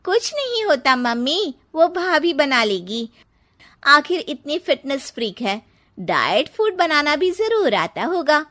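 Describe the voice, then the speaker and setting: A woman's voice: high-pitched, very animated, slow, a bit bright, pitched above the performer's own voice, full character voice. A woman voicing a cheeky young college girl in a cartoon story, pert and teasing.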